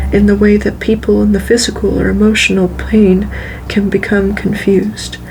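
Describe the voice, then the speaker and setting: Soft-spoken woman at a moderate pace amid noticeable background noise. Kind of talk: reading out card descriptions.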